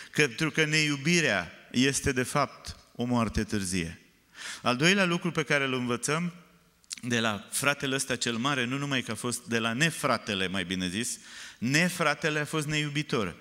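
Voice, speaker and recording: A man preaching a sermon, telling stories with animated, often loud emphasis, recorded in a church. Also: mid-range voice. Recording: reverberant church hall.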